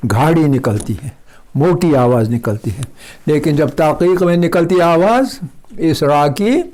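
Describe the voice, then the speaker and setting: In this tajweed lesson, a man with a slightly high, warm voice teaches recitation. He explains patiently, says example words slowly more than once, and keeps checking that his listeners are following.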